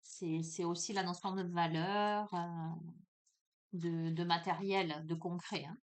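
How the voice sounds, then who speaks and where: A woman giving a casual oracle card reading, chatting with many fillers and laughs and slowing down when she reads the card texts aloud. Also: fairly low pitch, steady tone. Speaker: tarot and oracle card reader.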